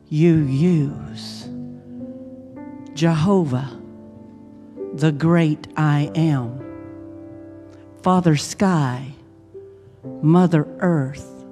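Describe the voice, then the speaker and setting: A woman with a lowish, soft-toned voice leads a guided meditation as a minister. She phrases deliberately and soothingly, leaving long gaps. Her words ring in a long reverb. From United States. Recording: long reverb, music behind. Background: instrumental meditation music.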